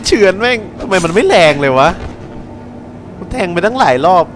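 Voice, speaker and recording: Joking, lively young Thai gamer man. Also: high voice, normal speed, soft background music. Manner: crude, joking, talks to the game. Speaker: gameplay commentator. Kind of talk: casual horror game commentary.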